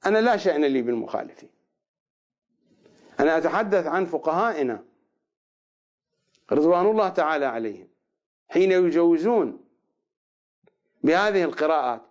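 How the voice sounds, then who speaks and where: A man lecturing on readings of scripture, drawing out each recited word slowly and then rushing through his asides. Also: fairly high pitch, lively intonation, lo-fi sound. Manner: slow deliberate recitation of words, then quick asides. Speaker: religious lecturer.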